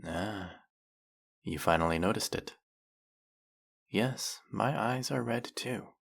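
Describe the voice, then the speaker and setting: A man acts out a brooding vampire, centuries old, who hunts other vampires. His voice is very deep and thick with gravelly fry. He speaks slowly and deliberately, leaving dramatic pauses as in an intimate audio drama monologue. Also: full character voice. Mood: menacing, smooth. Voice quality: gravelly, low. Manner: slow, measured, dramatic pauses.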